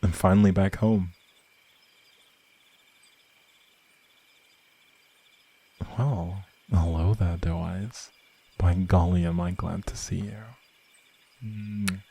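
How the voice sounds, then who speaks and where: A man playing an outlawed prince, a gentle, protective leader, in earnest dramatic roleplay audio with old-fashioned, measured phrasing and a husky, breathy voice. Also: low-pitched, fairly even intonation, no echo, full character voice. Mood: warm, relieved.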